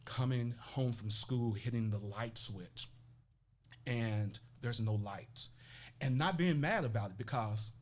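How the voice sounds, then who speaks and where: A man's voice: mid-range voice, slow, a little hiss or hum. A man from Tennessee, a life coach talking earnestly and reflectively as an interview guest. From Nashville, Tennessee. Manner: earnest, reflective, frequent restarts. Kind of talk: casual interview conversation.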